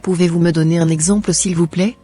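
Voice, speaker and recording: A man's voice: a little high, fairly even intonation, a little fast, slightly rough. A man voicing a young Christian woman who is considering cosmetic surgery, speaking in an earnest, plain-spoken way in a cartoon. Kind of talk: amateur cartoon voice acting. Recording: soft music underneath.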